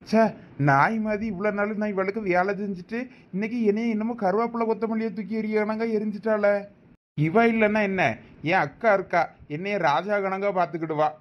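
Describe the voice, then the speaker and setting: A man's voice: sits high, steady tone, fairly quick. A man with a Thoothukudi Tamil accent playing a sulking husband in an amateur village drama. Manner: sulking, grumbling, warning. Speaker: drunkard husband in a web drama. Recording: dull lo-fi sound.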